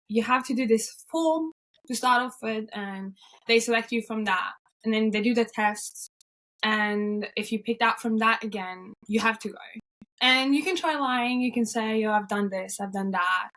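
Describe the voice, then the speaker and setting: A woman's voice: a little high, moderate pace, fairly bright tone, low-quality recording. A young woman from Norway, cheerful and upbeat, chatting casually as an interview guest, with frequent yeahs and ums.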